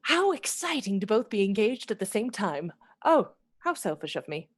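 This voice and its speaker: A woman's voice: mid-range voice, very animated, moderate pace, breathy edge. Chatty, romantic young Victorian lady. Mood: excited. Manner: girlish, confiding, dramatic. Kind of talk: radio play acting and storytelling.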